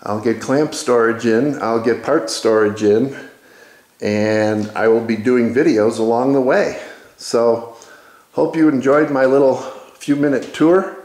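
A man hosting an informal walk-through of his shop, casual and a little halting as he thinks aloud. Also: medium pitch, darkish tone. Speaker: woodworking video host. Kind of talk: informal narrated shop tour. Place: indoor wood workshop. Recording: echoey workshop room.

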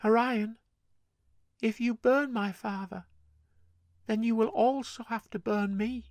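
A defiant young girl, broken by grief, pleads in a voice lifted far above the reader's own, as a man puts her on. Her lines come slowly and are set down close and dry, with no room around them. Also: fairly even intonation, darkish tone, no room sound, heavily acted. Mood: desperate. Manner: pleading, high and breathy in places.

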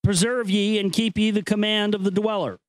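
A man's voice: high voice, fairly even intonation, brisk, no room sound, low-quality recording. A man hosting a show, moving between dramatic reading and casual, earnest, conspiratorial commentary. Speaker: host reading an ancient text with commentary.

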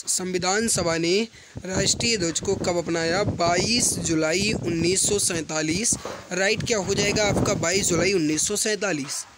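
A man teaching an exam-prep mock test online, reading out questions and answers briskly and addressing viewers as friends, often repeating himself. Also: high-pitched, fairly bright tone, rough recording. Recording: rattling wind noise in the background. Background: wind noise from a storm outside.

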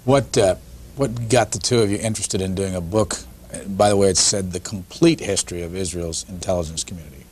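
Brisk host asking short questions. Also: male voice, low-pitched, fairly even intonation, darkish tone, slight background noise. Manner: brief, direct questions. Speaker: interview host. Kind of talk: studio interview questions. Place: television studio.

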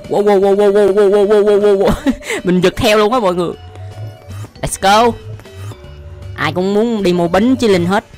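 A man's voice: high-pitched, normal speed, long pauses, a little mellow. A young man giving casual, exclamation-filled reaction commentary as a YouTube host, often amused by what he watches. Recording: music behind the voice. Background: music.

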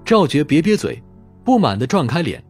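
Expressive, slightly husky male storyteller. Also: a little high, moderate pace. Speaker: audiobook narrator. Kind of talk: scripted audiobook narration of a crime novel. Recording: music playing behind the voice. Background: background music.

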